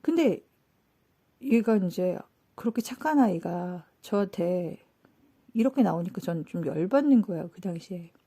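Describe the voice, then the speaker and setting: A woman telling a personal story in a casual, animated way, acting out what people said. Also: on the low side, moderate pace, slightly rough. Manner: animated, acts out quoted dialogue. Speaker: channel host telling a story.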